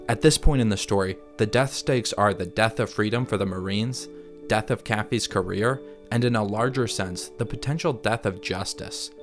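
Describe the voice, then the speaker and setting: A man with a fairly low voice narrates a scripted analysis over music. He speaks in a measured, articulate way, explaining each point like an essayist. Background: background music.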